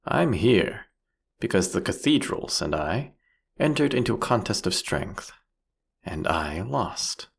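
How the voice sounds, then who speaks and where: Man voicing a male vampire king, low gravelly voice, swooping intonation, sardonic, eloquent, fantasy audio drama. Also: sing-song, full character voice. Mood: mocking amusement. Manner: mocking, eloquent, unhurried, drawn-out delivery. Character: captured vampire king, male, sardonic, philosophical, proudly ruthless. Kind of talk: theatrical fantasy audio roleplay monologue.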